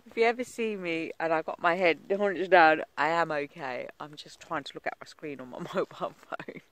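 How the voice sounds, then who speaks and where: A middle-aged woman vlogging casually from her phone outdoors, chatty, laughing often and dropping into breathy asides. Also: low-pitched, moderate pace. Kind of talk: casual vlog narration. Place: outdoors on windy coast and town streets. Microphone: phone at arm's length.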